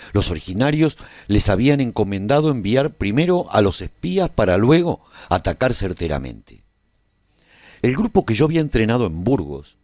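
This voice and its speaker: A man's voice: on the low side, a little mellow, dry recording. An actor playing a male resistance veteran who narrates a post-apocalyptic war in a scripted radio serial.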